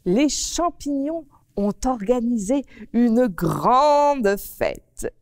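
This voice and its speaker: Female children's storyteller: animated, unhurried, dry close sound with reverb tail. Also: a little high. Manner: expressive, animated.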